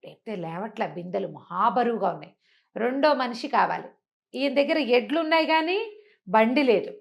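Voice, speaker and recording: A woman's voice: a little high, animated, moderate pace, gravelly. A woman telling a folk story informally, in a conversational way with explanatory asides and rhetorical questions.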